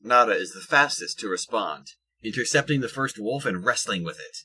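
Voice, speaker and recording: A man narrating a scripted audio drama in a husky voice. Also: fairly low pitch, lively intonation, normal speed, bright, forceful tone.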